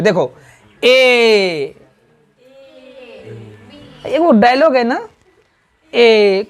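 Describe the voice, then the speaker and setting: A man with a very high, slightly bright voice and a Bihari Hindi accent runs a grammar class, peppering his students with questions. He keeps the exchange going in call-and-response, checks on them constantly, and keeps tossing in "right?"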